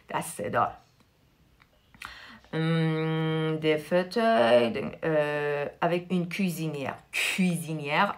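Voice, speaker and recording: A woman French teacher whose first language is Persian, giving a live online class and switching between French and Persian. She repeats each vocabulary word slowly and stresses its pronunciation. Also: low-pitched.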